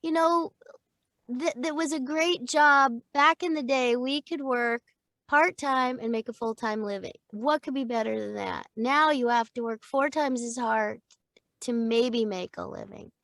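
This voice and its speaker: An older woman talks with a gravelly, slightly high voice, chatty and quick to laugh. She is recorded on a studio mic in a small booth, and the sound is dry and close. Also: no room sound. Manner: chatty, animated, laughs often. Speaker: voice actor guest. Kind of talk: casual interview chat. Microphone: studio microphone.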